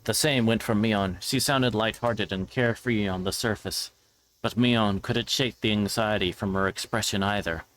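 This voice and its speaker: Low-voiced man reading a story aloud. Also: moderate pace, fairly bright tone, slight background noise, rough recording. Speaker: streamer reading a visual novel aloud. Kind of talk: scripted narration read aloud live. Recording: background music.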